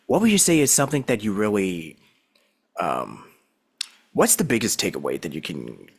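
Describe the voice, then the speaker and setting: Deep, gravelly man, lively delivery. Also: moderate pace. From Southern California. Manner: rambling, loose and laughing, with many fillers. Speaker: podcast host. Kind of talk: casual interview chat.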